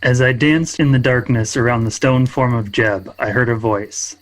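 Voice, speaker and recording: A man's voice: mid-range voice, steady tone, moderate pace, rough recording. A man playing in a tabletop game podcast, narrating his character's story and actions.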